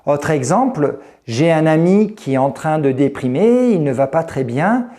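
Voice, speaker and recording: A male French teacher speaking slowly and deliberately, his voice rising and falling a lot as he lays out each point. His tone is mellow and soft-edged, and he gives the example words in a clear, careful delivery. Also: fairly high pitch. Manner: slow, deliberate, lively intonation. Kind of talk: explaining grammar to the viewer.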